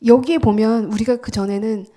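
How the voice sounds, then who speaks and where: A woman's voice: fairly high pitch, fairly even intonation, a little fast, mellow. A woman preaching a sermon in an emphatic style, often dropping to a whisper and asking the congregation questions she then answers herself. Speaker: pastor.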